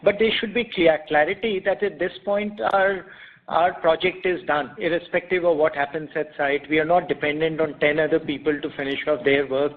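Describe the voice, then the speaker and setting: A man with an Indian accent, a company executive answering questions on an earnings call in a deliberate, explanatory way. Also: fairly high pitch, steady tone. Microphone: conference call line. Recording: narrow, tinny conference phone line.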